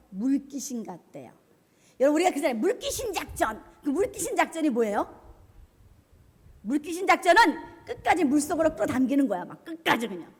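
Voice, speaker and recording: A woman pastor preaching an impassioned sermon, swinging between hushed and loud, acting out the words of God and of tempters. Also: high-pitched. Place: church sanctuary. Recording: long church hall reverb.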